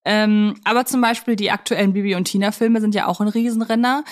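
A woman's voice: medium pitch, steady tone, quick pace. Articulate woman podcast host. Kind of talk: conversational film discussion podcast.

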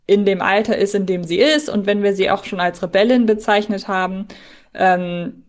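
A woman co-hosting a podcast, thinking aloud in a casual, conversational way. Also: mid-range voice. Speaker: podcast co-host.

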